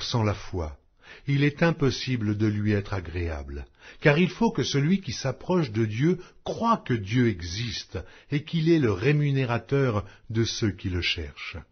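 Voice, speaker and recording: A man reading scripture aloud as a formal audiobook narration, in a solemn, measured, declamatory way. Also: on the low side, breathy edge, lo-fi sound.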